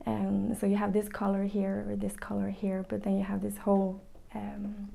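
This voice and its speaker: Gravelly Norwegian woman, thoughtful musician. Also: medium pitch, completely flat delivery, moderate pace, mellow. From northern Norway. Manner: thoughtful, searching for words with many ums and restarts. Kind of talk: reflective interview answers.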